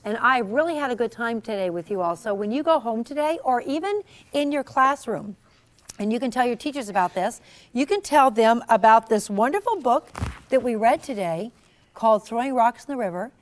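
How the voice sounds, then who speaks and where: High-pitched woman leading children's story time. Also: fairly quick. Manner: encouraging, praising, animated teacher-like delivery. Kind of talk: interactive story session with young children, asking questions.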